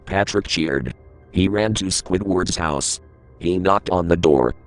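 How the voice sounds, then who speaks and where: A man narrating a creepypasta horror story in a steady, grave reading voice. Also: low-pitched, slow, soft background music.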